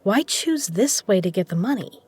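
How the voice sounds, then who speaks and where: A woman playing a shrewd poker legend who runs an underground casino, speaking in a measured, persuasive way in a scripted audio drama. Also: medium pitch, big pitch swings, darkish tone, husky. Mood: probing, firm.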